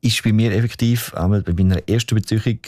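Swiss german male radio host, low voice, dry studio, easygoing and chatty. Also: steady tone, fast, darkish tone, no room sound. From Switzerland. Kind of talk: casual radio chat.

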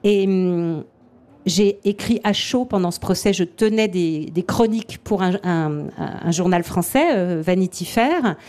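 A middle-aged woman speaks in a mellow, warm tone, talking as an author and translator. She thinks aloud, pausing and restarting her sentences often. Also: lowish voice. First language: French. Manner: thoughtful, halting, frequent restarts. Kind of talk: radio interview answers.

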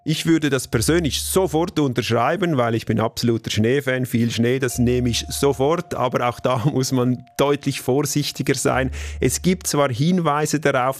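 A man explaining things as an expert in an interview. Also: mid-range voice.

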